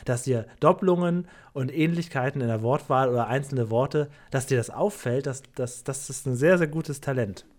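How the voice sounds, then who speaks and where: A man in casual podcast chat who talks earnestly, with halting restarts and a taste for fancy words. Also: mid-range voice, darkish tone. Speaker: podcast co-host.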